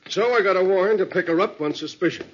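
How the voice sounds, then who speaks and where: An actor playing an earnest, matter-of-fact police sergeant with colloquial talk, in 1940s radio style. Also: male voice, sits high, quick pace, close to an everyday voice. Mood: businesslike. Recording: noisy, muffled old radio recording.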